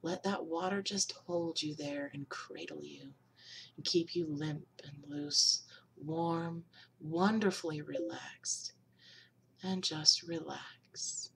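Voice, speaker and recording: Low-voiced woman softly guiding hypnosis. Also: creaky, far from the mic, slight background noise. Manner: slow, soothing, drifts into whispers. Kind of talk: guided hypnosis induction.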